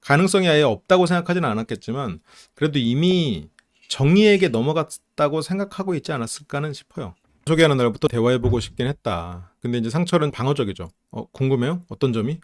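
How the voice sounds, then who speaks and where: A man hosting a psychology channel, giving casual commentary on a dating show and acting out quoted lines in quick bursts. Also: fairly high pitch, expressive.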